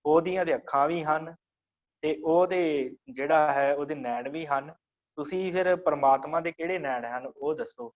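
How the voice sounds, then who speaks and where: A man teaching an online scripture class, reciting verse lines slowly and then patiently explaining each word. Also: fairly high pitch, muffled recording.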